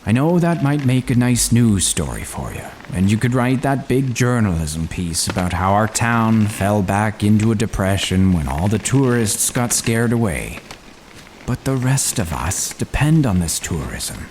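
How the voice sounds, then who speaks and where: Low voiced pragmatic small town guy, audio drama, lively delivery, bit of background noise. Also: a little slow. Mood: grave, defensive. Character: hard, pragmatic small-town man protecting local livelihood.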